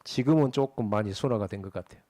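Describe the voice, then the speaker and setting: A middle-aged male pastor giving a sermon in a conversational, animated way, often asking the congregation rhetorical questions. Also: lowish voice, quick pace.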